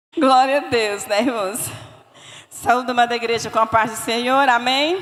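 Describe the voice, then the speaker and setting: Over noticeable background noise and audible room echo, a woman speaks at a fairly slow pace in a high pitch. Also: ordinary pitch variation. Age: 60s. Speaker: preacher. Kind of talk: sermon. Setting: church.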